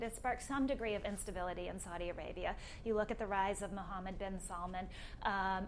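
A woman with a soft voice, an author speaking in a live public conversation on stage into a microphone, thoughtful and halting, with many fillers and restarts. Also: mid-range voice, slight background noise. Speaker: author being interviewed. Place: live event before an audience.

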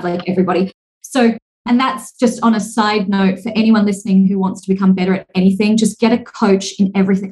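A woman in her thirties, a podcast guest, talks easily and with energy at a middle pitch. Her speech runs on in long stretches, full of casual fillers. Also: low-quality recording. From Singapore. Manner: fluent, energetic, frequent "like" and "you know" fillers. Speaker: podcast guest, speaker and author. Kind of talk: casual interview conversation.

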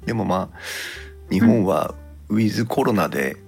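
A man's voice: low voice, expressive, moderate pace, vocal fry, a little mellow, slightly rough, faint music behind. A man co-hosting a podcast in casual conversation, encouraging and offering suggestions. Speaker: podcast co-host.

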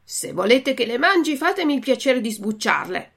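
A woman's voice: sits high, very animated, moderate pace, creaky, fairly bright tone, full character voice. A woman voicing a hungry, fussy wooden puppet boy in a storybook reading, whiny and petulant.

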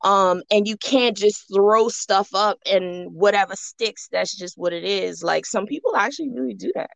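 A woman's voice: mid-range voice, moderate pace, creaky, no echo. A young woman from the Bahamas, a jewelry designer interviewed as a podcast guest, talking reflectively with many fillers and restarts.

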